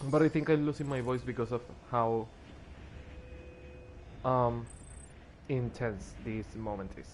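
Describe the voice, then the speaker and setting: A man's voice: medium pitch, steady tone, slow, long pauses, darkish tone, slight background noise. A tired man streaming a game, losing his voice and rambling as he plays, with faint music behind him. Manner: rambling, restarts when moved. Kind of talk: casual gameplay commentary.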